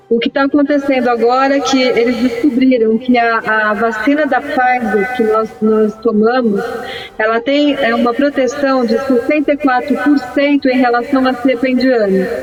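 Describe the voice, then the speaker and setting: A woman's voice: high voice, highs cut off. A woman from São Paulo with a São Paulo accent, a correspondent explaining things steadily in an interview, with small restarts. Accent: São Paulo Brazilian Portuguese. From São Paulo, Brazil. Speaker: correspondent guest. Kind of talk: interview answers.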